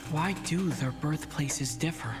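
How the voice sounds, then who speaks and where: A cool, reserved game character with a very low female voice. She is serious and measured, probing with an inquisitive edge. Music is clearly audible behind her. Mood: questioning. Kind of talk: video game character acting.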